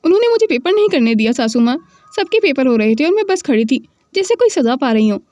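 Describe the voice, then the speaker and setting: A woman's voice: sits high, sing-song, quick pace, warm tone, no room sound, studio quality. A woman voicing a dramatic young female student who complains in a whiny, indignant way. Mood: tearful.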